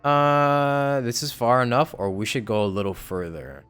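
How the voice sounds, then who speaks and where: A man's voice: mid-range voice, moderate pace, fairly bright tone, clean tone. A man chatting casually on a livestream as he plays a video game. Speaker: game streamer. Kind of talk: casual livestream chat while playing. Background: game music.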